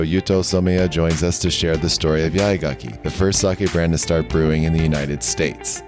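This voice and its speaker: A man hosting a food and drink podcast, reading the show intro and sponsor messages in an upbeat scripted way. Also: a bass voice. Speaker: podcast host. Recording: voice over guitar music.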